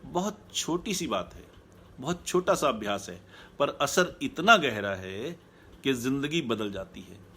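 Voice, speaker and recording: A man speaking as a happiness coach in a live online talk, calm and measured, repeating his key points. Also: mid-range voice, husky.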